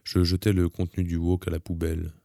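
A man calmly reading a novel aloud in the first person, measured and even. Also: low voice, gravelly, no echo, clean studio sound. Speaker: audiobook narrator.

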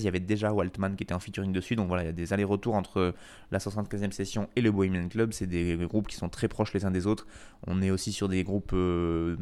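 Low-voiced man hosting a casual music show. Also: darkish tone, clear, resonant tone. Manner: chatty, hesitant with frequent fillers and wry asides. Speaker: radio show host. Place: home living room.

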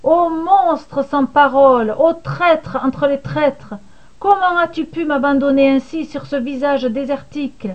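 A woman voicing an abandoned young woman who curses her lover in slow, declamatory grief. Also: sits high, darkish tone, pitched above the performer's own voice. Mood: anguished. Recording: dull lo-fi recording.

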